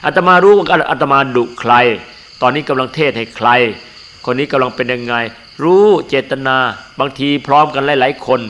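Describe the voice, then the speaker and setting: An older monk delivers a dharma sermon in an earnest, emphatic teaching manner. His voice sits at an ordinary middle pitch for a man. Faint insect and cricket noise runs behind the recording. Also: moderate pace, fairly bright tone.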